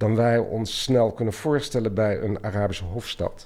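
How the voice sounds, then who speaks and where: A man's fairly low voice, dark and mellow in tone, on a very clean recording with a silent background. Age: 50s. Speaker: podcast host. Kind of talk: interview.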